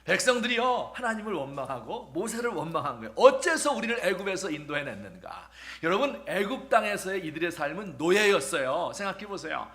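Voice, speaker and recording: Male pastor, lively sermon delivery, bright tone, rhetorical questions, humorous asides. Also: sits high, brisk, few pauses. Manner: animated storytelling with rhetorical questions to the congregation; acts out quoted voices, drops to a hushed near-whisper at times.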